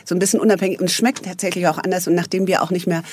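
Woman, middle-aged, radio guest, lower voice, husky, enthusiastic casual chat. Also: steady tone, rapid-fire, darkish tone. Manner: chatty, enthusiastic, trails off and restarts.

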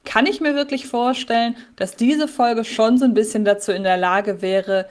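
A woman's voice: a little high, fairly even intonation, normal speed. A woman co-hosting a podcast, reflecting at length in casual chat about a radio play. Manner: reflective, rambling, thinks aloud. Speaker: podcast co-host.

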